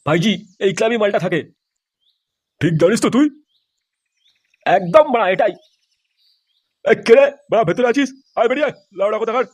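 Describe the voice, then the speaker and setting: A man's voice: sits high, animated, fairly quick, pauses often. A man voicing a crude, bossy, foul-mouthed gang man in a comic cartoon dub. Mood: aggressive.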